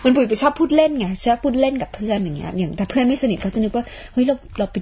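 A woman's voice: on the high side, animated, very fast, highs cut off, slight background noise. A woman teaching English on a radio lesson, patiently explaining phrases and spelling words out letter by letter.

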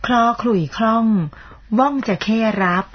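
A woman's voice: fairly high pitch, normal speed, husky, dull audio. A woman co-hosting a radio talk show who is polite and chatty with her co-host, and takes turns reading out a list of titles.

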